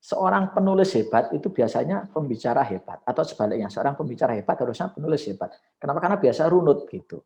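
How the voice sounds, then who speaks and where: A man coaching public speaking on a video call, with lively swings of intonation and frequent exclamations. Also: mid-range voice, quick pace, vocal fry. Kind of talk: coaching session with live speech demos. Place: online video call session.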